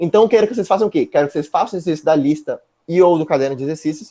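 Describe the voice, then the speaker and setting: A high-pitched man's voice, very fast, with a dark, mellow tone and ordinary pitch variation. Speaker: teacher. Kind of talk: lecture. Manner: halting.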